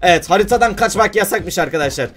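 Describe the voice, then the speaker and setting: A man giving playful, excitable let's-play commentary at his computer, often exclaiming and laughing as he talks to viewers. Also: high-pitched, fast talker, faint music behind. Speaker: gaming YouTuber.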